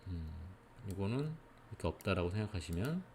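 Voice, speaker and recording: A man giving an explanatory lecture, patiently going step by step and often pausing to check in with his listeners. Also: sits low, sing-song, darkish tone, slight background noise.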